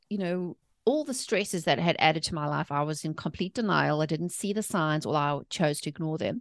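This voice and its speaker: A woman with a South African accent speaks at a fairly quick pace in a fairly low pitch, her intonation lively against a quiet background. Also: dry, close sound with no echo. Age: 40s. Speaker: mindset coach and author. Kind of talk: interview conversation.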